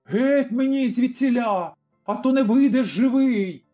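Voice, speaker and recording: A man voicing a shrill, furious old innkeeper woman. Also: very slow, darkish tone. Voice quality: coarse. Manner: shrieking, threatening. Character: furious middle-aged female innkeeper, cruel and shrill. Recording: slightly dull recording, faint music.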